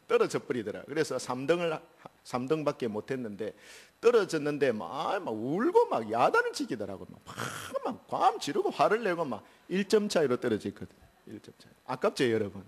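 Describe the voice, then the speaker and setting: A middle-aged man, preaching a sermon as pastor in a church and building to loud, high emphasis. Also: wildly swooping pitch, moderate pace, creaky, husky. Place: church sanctuary.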